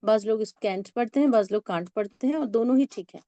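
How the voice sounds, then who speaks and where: A woman teaching a spoken English lesson, patiently explaining and reading example sentences slowly, word by word. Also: fairly high pitch, mellow, no echo, muffled recording.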